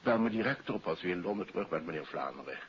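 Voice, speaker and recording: Deep-voiced, earnest doctor. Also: male voice, expressive, fast talker. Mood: grateful. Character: earnest, anxious male doctor and father, formally polite. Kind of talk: 1950s radio detective drama acting. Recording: dull, hissy 1950s radio recording.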